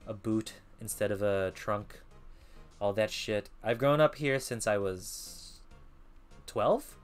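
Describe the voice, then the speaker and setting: A man's voice: fairly low pitch, takes it slowly, clean tone. Chill twenty-something guy w/ american accent, casual stream chat, faint game music behind. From Philippines. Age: 20s. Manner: relaxed, swears casually. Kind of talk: casual let's-play commentary.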